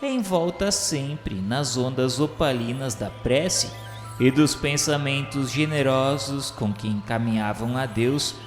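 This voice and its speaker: Slow, echoing Brazilian male narrator. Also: mid-range voice. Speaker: narrator of an audio novel. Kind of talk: dramatized literary narration, formal and solemn. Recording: echoey hall reverb with music behind. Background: music.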